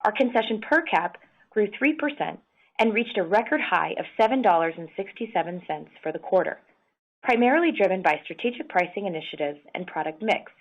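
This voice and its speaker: An American woman reading scripted financial results in a formal, measured way as a corporate executive on a conference call. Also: mid-range voice. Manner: formal, measured business delivery. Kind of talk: scripted earnings call presentation. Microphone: conference call line. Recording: dull, band-limited conference call audio.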